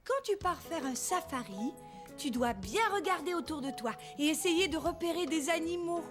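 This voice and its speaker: A kind, patient mother in a children's cartoon. Her high voice is animated and cheerful, with music clearly behind it. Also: normal speed. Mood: helpful. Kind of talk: French-dubbed children's cartoon acting.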